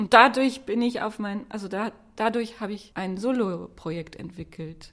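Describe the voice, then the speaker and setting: This is a woman with an unremarkable speaking voice. She talks at a moderate pace with ordinary pitch variation. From Belgium, raised in Germany from age four. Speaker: composer and singer. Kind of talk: interview.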